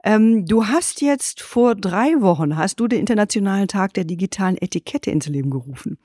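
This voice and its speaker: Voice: medium pitch, expressive, fairly quick, dark tone, no room sound. An interview host who trains seminar groups, agreeing readily with the guest and asking open, friendly questions. The voice sits in a middle register. It is recorded dry and close. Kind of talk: conversational interview.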